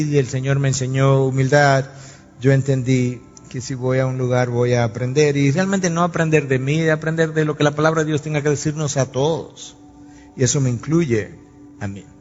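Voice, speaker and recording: A man preaching in a large church hall, his fairly high voice carrying a long reverb. He tells stories with voices and sound effects, then presses his point to the congregation. The recording is dull and lo-fi, with soft music underneath. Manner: storytelling preacher, acts out dialogue and sound effects. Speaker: pastor. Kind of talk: sermon. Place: church sanctuary.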